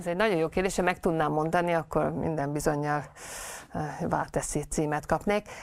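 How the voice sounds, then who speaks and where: Speaking at a fairly quick pace, this woman has a very deep, low voice and fairly even intonation. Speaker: sociologist, professor. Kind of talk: interview. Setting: studio. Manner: hesitant with fillers.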